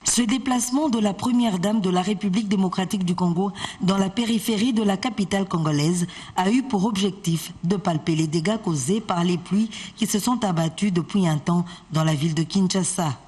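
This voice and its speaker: A woman reading a formal news report as a voice-over, steady and even. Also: mid-range voice, fairly quick, slightly rough.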